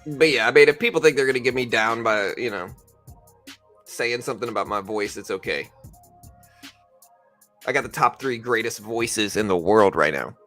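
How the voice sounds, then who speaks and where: A man hosts a livestream from home, tired and just out of bed, rambling in a loose, laid-back way. His voice has a bright, forceful edge even when he trails off. Faint music plays behind him. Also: mid-range voice, normal speed, long pauses. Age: adult with a daughter. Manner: laid-back, rambling, says bro and you know a lot. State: just woke up, tired, voice deeper than usual. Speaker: livestream trading host. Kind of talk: casual livestream chat. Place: home in Texas.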